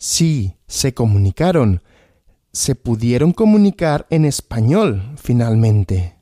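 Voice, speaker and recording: A man teaching Spanish through a story, asking questions and answering them himself, repeating each answer slowly. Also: mid-range voice, big pitch swings, dark tone, dry recording, studio quality. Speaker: Spanish teacher, podcast host.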